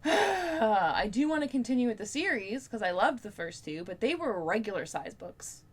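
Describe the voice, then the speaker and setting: A woman's voice: on the high side, very animated, normal speed, breathy edge. A young woman chatting casually to camera as a book vlogger, in an informal, rambling, playfully self-deprecating way. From Canada.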